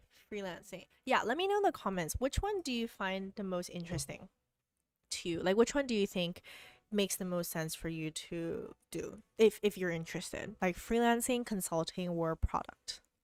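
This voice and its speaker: A woman speaks at a moderate pace and medium pitch, with ordinary pitch variation. The recording is very clean with a silent background, and the sound is dry and close with no echo. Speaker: tech content creator. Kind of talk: livestream chat with viewers. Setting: livestream. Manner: mumbling, not loud. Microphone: talking very close to the mic.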